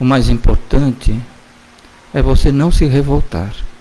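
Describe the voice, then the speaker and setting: A very slow-paced man with ordinary pitch variation, over noticeable background noise. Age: 70s. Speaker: spiritist lecturer. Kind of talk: lecture.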